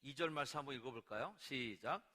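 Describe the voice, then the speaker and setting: A man preaching a Sunday sermon as pastor of a church, lively and at times acting out angry cries to God. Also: medium pitch, fast talker. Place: church sanctuary. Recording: long reverb of a church sanctuary.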